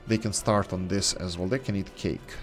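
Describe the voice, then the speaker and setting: With faint music behind him, a man with a low, steady voice talks at an ordinary pace. He hosts a gaming channel and speaks English as a second language, offering casual let's-play commentary that meanders and self-corrects while he builds.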